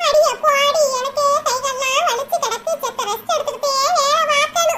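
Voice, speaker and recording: A cartoonish character voice from a woman, extremely high-pitched, with lively intonation at a moderate pace. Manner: folksy, cajoling.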